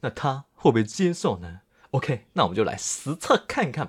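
A man's voice shows vocal fry and very wide pitch swings at a moderate pace. The recording is very clean and silent in the background, with a dry, close sound and no echo. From Taiwan. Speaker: YouTuber. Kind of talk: casual chat. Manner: animated.

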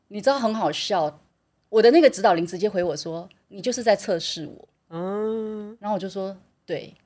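Her dark, mellow voice moves at a moderate pace, with big swings in loudness. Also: medium pitch for a woman, ordinary pitch variation. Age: 30s. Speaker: human design analyst. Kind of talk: interview.

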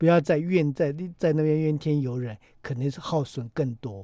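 Speaking at a fairly slow pace, a man has a fairly high pitch, a dark, mellow tone and ordinary pitch variation. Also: very clean recording, silent background. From Tibet. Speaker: doctor and author. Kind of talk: book interview.

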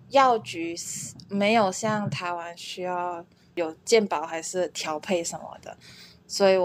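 At a very slow pace, a woman with a fairly low voice speaks with fairly even intonation on a very clean recording with a silent background. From Malaysia, Penang. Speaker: pharmacy student. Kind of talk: casual interview chat.

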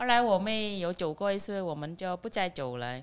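A woman at a moderate pace, very cleanly recorded over a silent background. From Vietnam. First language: Vietnamese (speaking Chinese). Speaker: immigrant guest. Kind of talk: casual chat.

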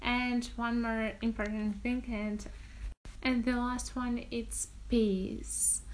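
A woman's fairly high, monotone, flat voice with a Russian accent, very slow in pace, amid noticeable background noise. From Belarus. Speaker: podcast co-host. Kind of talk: casual chat. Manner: halting.

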